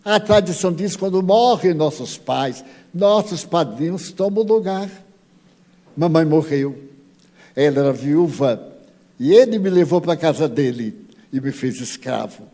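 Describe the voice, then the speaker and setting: A man's voice: on the high side, animated, measured pace, warm tone. A man voicing the bitter spirit of a young man. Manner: bitter, accusing. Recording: long hall reverb.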